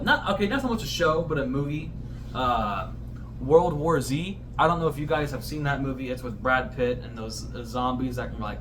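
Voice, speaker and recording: A young man in his twenties speaks at a middling pitch in a loose, rambling podcast style. He sounds informal and somewhat hesitant, feeling his way through his thoughts. The recording is distant from the mic, with clearly audible room noise behind him. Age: 20s. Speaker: podcast host. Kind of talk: casual solo podcast chat about favourite shows.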